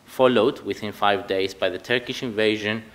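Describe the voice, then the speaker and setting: A Cypriot man in his thirties, a native Greek speaker, gives a prepared political speech at a commemoration on behalf of his party. He speaks earnestly and with measured delivery, leaning on key words. His voice is lowish and fairly bright, with fairly even intonation.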